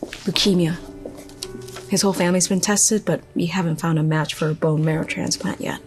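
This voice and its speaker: A woman playing a brisk hospital nurse. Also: lowish voice, fairly even intonation, darkish tone, soft background music, close to an everyday voice.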